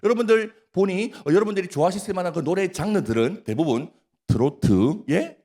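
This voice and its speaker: A man's voice: high-pitched, lively intonation, a little fast, warm tone. A male pastor with a Gyeongsang accent preaching a sermon at a prayer meeting, often putting questions to the congregation and teasing them. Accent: Gyeongsang Korean. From Gyeongsang region, Korea. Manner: questions the congregation, prompts replies, jokes. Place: church.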